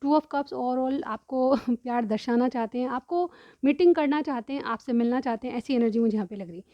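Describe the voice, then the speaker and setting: A woman reading tarot cards for her viewers. She explains each card in turn, often says "theek hai", and keeps clearing a sore throat. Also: high voice, a little fast, no echo, dull audio. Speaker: tarot reader.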